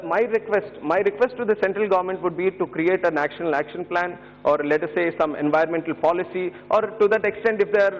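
An Indian English-accented man in his thirties makes a pleading case before parliament, his voice sitting high for a man. He hesitates often and keeps calling the chair "sir". The sound carries a long chamber reverb and dull broadcast audio. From Andhra Pradesh, India. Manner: earnest and pleading, many hesitations and "sir" addresses, gesturing. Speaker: member of parliament. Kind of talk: parliamentary speech. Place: large parliament chamber, indoors. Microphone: fixed desk microphone.

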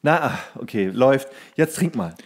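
A man's voice: mid-range voice, expressive, normal speed, husky. A man co-hosting a podcast, telling humorous stories in casual chat and acting out the dialogue as he goes. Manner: acts out dialogue within his stories. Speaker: podcast co-host and actor telling casting stories.

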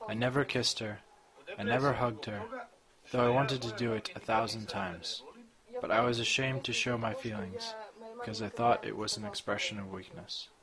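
A man in his forties with a Croatian accent speaks slowly and plainly, telling his own story in short, candid sentences. He sits under a roof in an outdoor courtyard, picked up by a camera mic at a medium distance. A group of listeners murmurs behind him. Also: lowish voice, fairly even intonation, crowd noise. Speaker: speaker giving a personal testimony. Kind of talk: personal testimony to a group.

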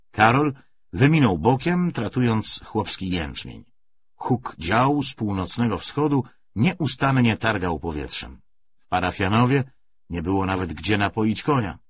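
A man reading a novel aloud as an audiobook narrator, in a dramatic, expressive manner. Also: lowish voice, muffled recording, a little hiss or hum. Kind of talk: scripted literary narration of a novel.

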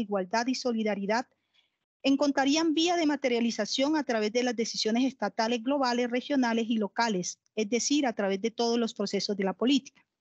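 A Colombian woman in her forties reads an academic paper in a measured, formal way. She speaks on a fairly high voice through a headset, the sound very dry and a little dull. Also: darkish tone, dry recording. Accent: Colombian Spanish. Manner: measured, formal, reading aloud. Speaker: conference speaker. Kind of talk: academic lecture read from text. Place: home office, video call.

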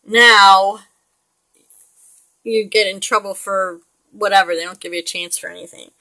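A woman's voice: mid-range voice, fairly even intonation, a little slow, bright, forceful tone, no echo, poor audio. A woman in her late forties, chatting casually and rambling with frequent laughs while she paints digitally. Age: 40s. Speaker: digital artist.

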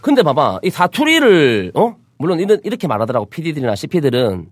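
A lively man with a broad Busan dialect, his voice fairly high and swinging widely as he tells stories and acts out other people's lines. The sound is close and dry, with no room around it. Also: a little fast, dry recording. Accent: Busan Gyeongsang dialect. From Busan, South Korea. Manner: animated storyteller, mimics others' voices. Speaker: show host. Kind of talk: casual talk-show chat.

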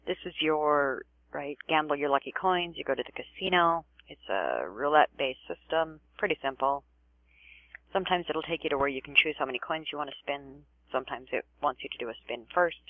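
A man with a somewhat high voice walks through a website tutorial in a laid-back way, checking in with "right?" as he goes. His voice is narrow and tinny, like a phone line, and the room sound is very dry. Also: no echo. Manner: relaxed, says "right" and "all right" often. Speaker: tutorial narrator. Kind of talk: casual screen-recorded walkthrough.

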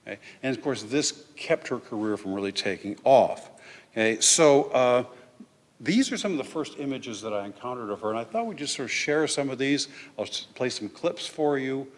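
An older man speaks at a lectern microphone in a large hall with a long reverb trailing his words. His voice sits at an ordinary middle pitch, and he lectures in a loose, conversational way, stopping often for "uh" and "okay". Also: expressive, moderate pace. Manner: chatty, with frequent "uh" and "okay". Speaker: history professor giving a lecture. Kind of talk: informal public lecture.

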